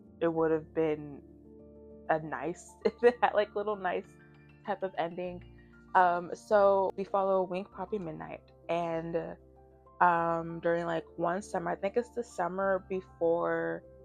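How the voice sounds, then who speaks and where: Music plays behind a woman with a fairly low pitch. She talks at a fairly slow pace, her intonation fairly even. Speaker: book reviewer. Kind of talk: casual talk to camera.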